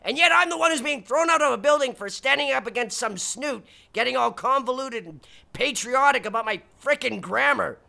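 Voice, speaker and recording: Bitter forty-ish loser, played by a man; gravelly, high, tense; rants and stammers. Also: animated, fairly quick, bright, forceful tone, full character voice. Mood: sarcastic. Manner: ranting, stammering, talks to himself. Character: bitter blustering fortyish loser anchor wannabe.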